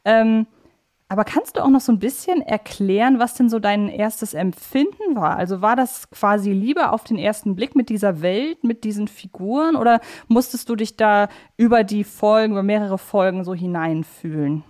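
A woman's voice: medium pitch, normal speed, a little mellow. A woman in her thirties hosting a podcast, asking questions in a casual conversational way. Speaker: podcast host, interviewer.

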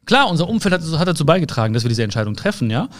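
A man's voice: on the high side, sing-song, rapid-fire. A young man in an earnest, casual motivational talk, addressing the listener directly with rhetorical questions and frequent fillers. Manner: earnest, searching, many fillers and restarts. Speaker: personal development speaker.

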